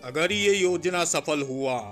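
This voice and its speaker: A man playing a wise, calm forest holy man in a cartoon, giving measured advice. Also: on the high side, soft background music. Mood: calm counsel. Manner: measured, advising. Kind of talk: Hindi cartoon story acting.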